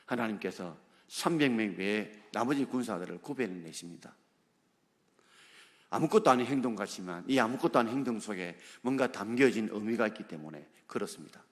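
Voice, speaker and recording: A man preaches with a lively, swooping delivery, pressing his points with questions he throws out to the congregation. His voice carries through a church sanctuary with a long, ringing reverb. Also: medium pitch. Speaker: pastor. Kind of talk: sermon.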